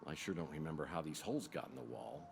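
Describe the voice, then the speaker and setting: An actor playing a weary, wry middle-aged private detective in a noir adventure game, with a dry wisecracking delivery and music behind him. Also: male voice, a bass voice, quick pace, creaky, slight background noise. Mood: puzzled, wry.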